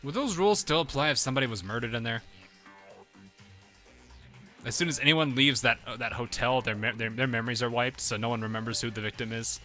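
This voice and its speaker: Chatty, bright-voiced male game streamer. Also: mid-range voice, brisk, faint music behind. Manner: chatty, laughs often, reads chat aloud. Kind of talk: casual let's-play commentary.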